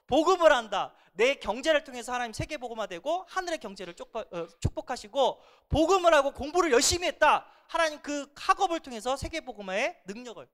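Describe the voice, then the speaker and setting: A pastor preaching a sermon, often asking the congregation rhetorical questions and swinging between loud emphasis and hushed asides. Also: medium pitch.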